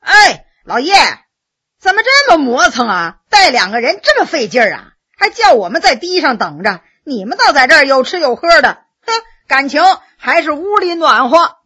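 A woman voicing a loud, bumbling lackey who grumbles and bellows for help. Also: very high voice, sing-song, moderate pace, full character voice. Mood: grumbling. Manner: blustering, shouting.

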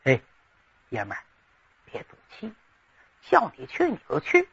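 A storyteller voicing a blustering, folksy old male general with a gruff voice that drops low and breathy. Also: huge pitch swings, slow pace, pushed and bright, dull audio, exaggerated voice. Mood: soothing. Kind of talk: traditional storytelling.

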